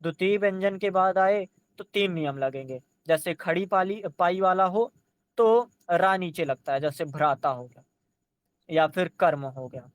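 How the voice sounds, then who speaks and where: A man's voice: high voice, measured pace, smooth, no echo. A man teaching an exam-prep lesson, sounding out letters one by one and urging students to try them. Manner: addresses students directly, coaxing them to try.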